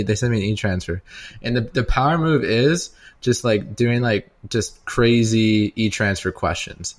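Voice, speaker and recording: A man with a fairly low voice speaks as a podcast co-host. He tells anecdotes casually, in loose, slangy language.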